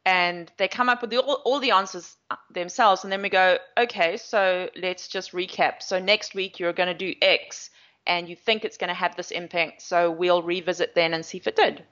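A woman's voice: fairly low pitch, steady tone, moderate pace, fairly bright tone. A woman with a South African accent, an agile coach giving long, chatty interview answers with plenty of fillers. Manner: chatty, explanatory, many fillers. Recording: slightly dull audio.

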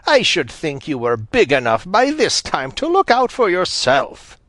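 A man's voice: sits high, huge pitch swings, takes it slowly, fairly bright tone, no echo, pitched above the performer's own voice, full character voice. A man doing a cross old granny fox. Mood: snappish. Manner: scolding, snappish. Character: cross, sharp-tongued old female fox.

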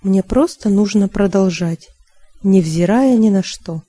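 A woman reading a language-learning text aloud in a slow, calm, deliberate way. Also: medium pitch, no room sound.

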